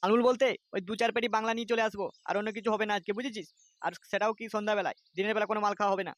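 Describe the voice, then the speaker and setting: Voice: mid-range voice, steady tone, very fast, dry recording, close to an everyday voice. Actor as an irritable male cartoon boss, West Bengal accent, breakneck coarse scolding, dry close sound. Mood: stern. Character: irritable, scolding male neighbourhood club boss, angry father. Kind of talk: comic cartoon voice acting.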